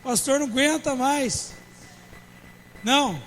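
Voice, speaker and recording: A man's voice: very high voice, takes it slowly, a bit bright, in a large hall, faint music behind, rough recording. A man, a pastor preaching a sermon with humor and acting out church members in dialogue. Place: church service.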